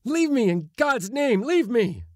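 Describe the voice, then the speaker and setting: A man's voice: very high voice, sing-song, unhurried, darkish tone, no room sound, clean studio sound, pitched above the performer's own voice, full character voice. A man voicing a tormented, stranded man who fears for his sanity, agitated and emphatic. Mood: desperate.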